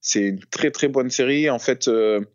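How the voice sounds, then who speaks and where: A man in casual chat, telling a story in a halting, slangy way with many fillers. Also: mid-range voice, no echo, highs cut off.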